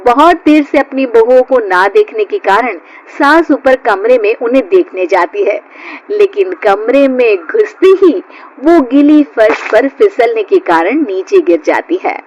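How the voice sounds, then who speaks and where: A woman's voice: a little high, animated, measured pace, highs cut off, slight background noise. A woman narrator reading a scripted family story for a cartoon.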